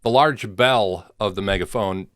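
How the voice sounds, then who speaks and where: A man's voice: lowish voice, measured pace, fairly bright tone, no room sound, studio quality. A man co-hosting a podcast, chatting casually with the others. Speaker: podcast co-host.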